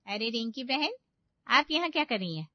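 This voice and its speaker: A woman's voice: a little high, sing-song, moderate pace, no room sound, voice pushed up. A woman voicing a doting, protective middle-aged mother in a cartoon. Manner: fond, protective. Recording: dull lo-fi dry recording.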